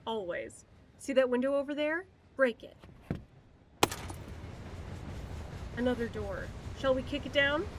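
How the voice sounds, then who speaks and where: A cocky, daredevil spy with a high, bold voice, heard over clear background noise. She sounds breezy yet guarded, in the manner of a wartime audio drama. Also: animated, moderate pace.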